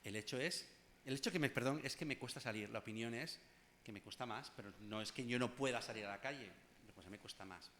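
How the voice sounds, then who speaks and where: Chatty psychologist giving a workshop. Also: male voice, medium pitch, fast talker, a bit bright, slight background noise. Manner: conversational, addresses audience directly with asides and humor. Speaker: clinical psychologist leading a workshop. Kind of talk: informal workshop talk.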